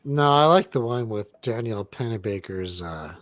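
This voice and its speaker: A man co-hosting a casual movie-review chat, rambling and deadpan, with casual swearing. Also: fairly low pitch, normal speed. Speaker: podcast co-host.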